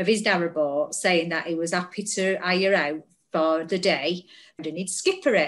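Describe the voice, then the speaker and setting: A woman's fairly low voice with a Manchester accent, fairly even intonation and a moderate pace against a quiet background. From Manchester, northern England. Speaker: fitness and well-being coach. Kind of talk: casual interview chat.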